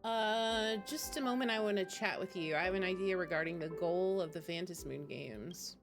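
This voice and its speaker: An actress playing a modest, hesitant young woman traveller in a video game, with halting delivery. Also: on the low side, music in the background, natural voice. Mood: tentative.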